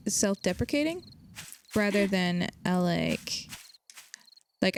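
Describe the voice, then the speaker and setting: Chatty woman streamer, faint hiss. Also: mid-range voice. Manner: chatty, upbeat, lots of fillers. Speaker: streamer reading chat. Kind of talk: casual stream chat.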